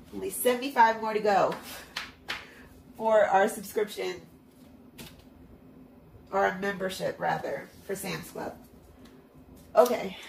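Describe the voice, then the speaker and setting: With a mid-range, fried voice and a stuffed-up nose, this budgeting vlogger chats cheerfully and encourages herself while counting cash into envelopes at her home table. The overhead shot shows only her hands, with the mic off-frame. The recording is rough, in an echoey room with slight background noise.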